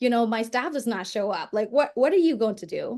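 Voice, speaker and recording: A woman's fairly high voice with a Vietnamese accent at a fairly quick pace. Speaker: performance coach. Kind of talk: interview.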